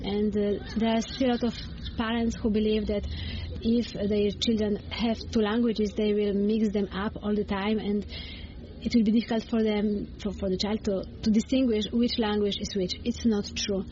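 A woman's voice: mid-range voice, flat delivery, normal speed, mellow. A native Polish woman with a Polish accent, explaining things as an interview guest and hesitantly searching for words. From Poland. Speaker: interview guest, bilingual education coach. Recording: dull sound with faint background noise.

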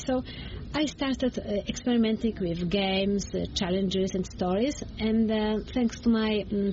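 A woman's voice: mid-range voice, darkish tone. A native Polish woman with a Polish accent, explaining things as an interview guest and hesitantly searching for words. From Poland. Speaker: interview guest, bilingual education coach. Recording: dull sound with faint background noise.

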